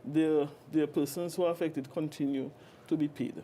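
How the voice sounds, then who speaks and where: A woman's voice: deep voice, steady tone, normal speed, dark tone, slight background noise. A middle-aged woman with a Dominican Caribbean accent, giving formal answers as an official in an interview. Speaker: guest, social security official. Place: office, indoors. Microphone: lapel.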